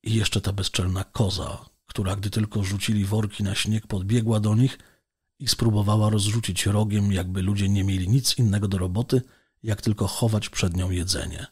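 Męski głos narratora audiobooka prowadzi opowieść równo i rzeczowo. Barwa głęboka, chropawa, mocno zachrypnięta. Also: male voice, on the low side, steady tone, normal speed, slightly rough. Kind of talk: scripted narration of a novel.

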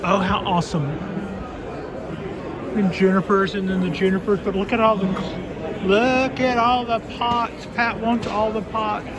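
A woman's voice: mid-range voice, steady tone, measured pace. A woman filming herself touring a busy bonsai expo hall on a handheld phone, chatting in a rambling, delighted way. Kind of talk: handheld walk-through commentary. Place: crowded indoor expo hall. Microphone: handheld phone camera. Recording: phone recording amid a loud crowd. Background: loud crowd chatter.

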